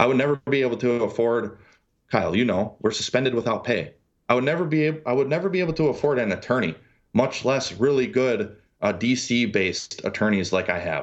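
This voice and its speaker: A man with an American accent and a normal speaking voice talks fairly quickly in a medium pitch. His intonation is lively and his loudness very even. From Milwaukee, Wisconsin. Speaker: suspended FBI agent and whistleblower. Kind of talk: interview.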